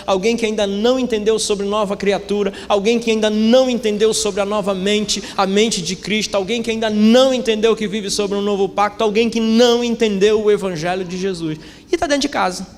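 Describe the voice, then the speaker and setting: A high-pitched male pastor delivering a sermon, rising and falling sharply as he calls out to his brothers. His voice rings through a hall with a long echo. A faint background hum sits under the preaching. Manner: preaching with big swings of pitch and loudness, addressing listeners as brothers. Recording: echoey hall with faint ambient noise.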